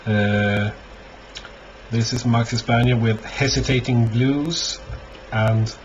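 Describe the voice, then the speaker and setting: A man giving a casual, unscripted show-and-tell as a collector, halting often and thinking aloud. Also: mid-range voice, steady tone. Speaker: record collector presenting finds. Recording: dull lo-fi audio, clear background noise.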